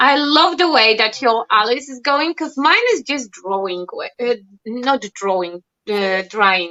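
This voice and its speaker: A woman with a Polish accent speaks fairly slowly in a high voice, her pitch swinging very widely. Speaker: art live streamer. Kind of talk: casual chat. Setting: live stream. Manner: halting.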